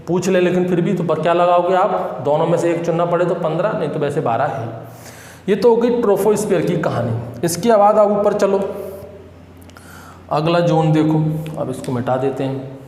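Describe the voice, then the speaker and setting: Male teacher, fairly high voice, question-and-answer lecture style, reverberant classroom. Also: normal speed, darkish tone. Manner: asks the class questions and answers them himself. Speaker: agriculture exam teacher. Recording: echoey room with long reverb.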